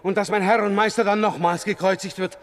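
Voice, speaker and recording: A male actor portrays a fiery Christian fighter at war with his own pride. His voice sits on the high side for a man. He declaims fervently, in the manner of a stage-like radio play. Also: steady tone, fairly quick, dry recording, natural voice. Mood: fervent, agitated. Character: fiery, tormented Christian warrior struggling to stay meek. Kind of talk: German radio play acting.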